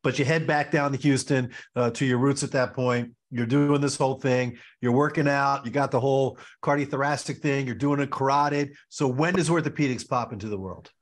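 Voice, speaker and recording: A middle-aged man from Baltimore hosting a show over a video call, chatty and full of quick asides and restarts, speaking on a headset from a home office. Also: mid-range voice. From Baltimore, USA. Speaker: podcast host. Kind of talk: casual video call interview.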